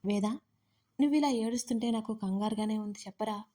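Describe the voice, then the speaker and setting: A woman storyteller voicing a worried middle-aged mother who keeps gently coaxing answers. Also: mid-range voice, a little fast, natural voice. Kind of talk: audio story character voice.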